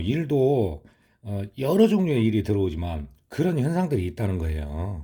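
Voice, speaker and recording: A man's somewhat breathy voice at a fairly slow pace, with very wide pitch swings. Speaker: leather restoration craftsman. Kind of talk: tutorial. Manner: casual, conversational.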